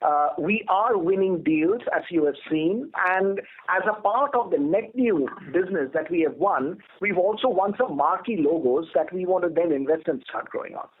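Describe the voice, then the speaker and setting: Male executive, notably high voice, measured, emphatic, corporate phrasing, narrow phone-line sound. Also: animated, husky. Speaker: company executive. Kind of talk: earnings call answers. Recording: narrow telephone conference line.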